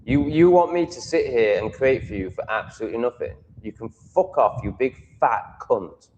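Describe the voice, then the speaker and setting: A man's voice: medium pitch, lively intonation, brisk, a little mellow, muffled recording. A man hosting a livestream in a blunt, profane, mocking manner. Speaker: livestream host. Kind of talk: casual livestream rant. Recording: long reverb, faint noise.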